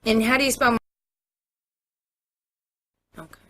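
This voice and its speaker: A woman's voice: fairly high pitch, fairly even intonation, slow, sharp tone. An American woman, a police officer, explaining procedure to a suspect in a matter-of-fact interview manner. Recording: noisy interview room audio.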